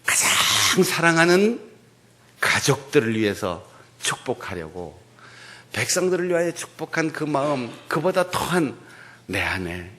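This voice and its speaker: A male pastor giving a humorous, animated sermon in a church, playing with regional dialects. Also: a little high, measured pace. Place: church sanctuary.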